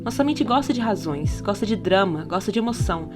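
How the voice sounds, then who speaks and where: A woman's voice: medium pitch, expressive, brisk. A Brazilian woman reading a scripted podcast essay in an explanatory manner, often posing rhetorical questions. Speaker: podcast narrator. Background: background music.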